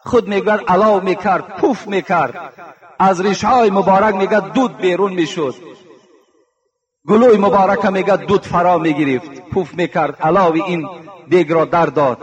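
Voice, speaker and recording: A man's voice: high voice, crowd noise. A man with an Afghan Dari accent giving a Friday sermon as a mosque preacher, telling a story with passion and breaking into scornful exclamations.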